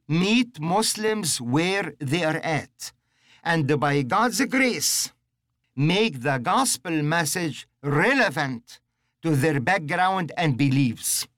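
A middle-aged man speaks on a religious teaching broadcast, earnest and emphatic like a preacher. His voice sits a little high for a man. The sound is close and dry, with no room around it. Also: fairly bright tone, dry recording. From Egypt. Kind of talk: religious radio teaching program.

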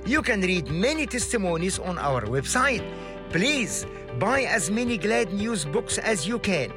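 A man's voice: sits high, big pitch swings, a little slow, music in the background. A man preaching with fervor, an evangelist and author speaking in a sing-song style. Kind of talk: preaching and promoting his book.

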